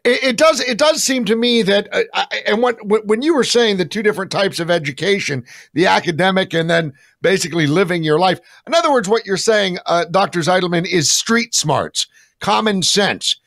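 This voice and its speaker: A man hosting an interview, talking in a halting way with many fillers and restarts as he sums up his guest's points. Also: sits high, expressive, gravelly, fairly bright tone, dry recording, studio quality. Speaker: show host. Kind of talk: casual interview chat.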